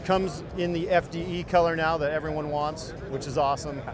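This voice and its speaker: A man's voice: a little high, fairly even intonation, a little fast, over music. A man working as a company rep, explaining products in an enthusiastic demo. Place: busy indoor trade show floor.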